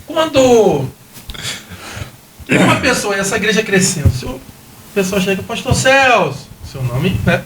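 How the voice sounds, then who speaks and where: A man's voice: high-pitched, sing-song, measured pace, long pauses, roomy sound, a little hiss or hum, low-quality recording. A male podcast host from Brazil, chatting casually with a pastor guest and reading Bible verses aloud. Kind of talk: casual interview chat.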